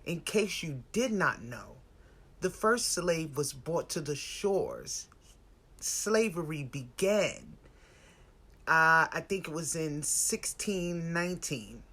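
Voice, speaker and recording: A woman's voice: deep voice, very animated, slow pace, a bit bright, husky. American woman in her forties, chatting emphatically. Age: 40s. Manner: conversational, emphatic, repeats phrases for stress. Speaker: spiritual lifestyle live-stream host. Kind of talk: casual motivational live-stream chat.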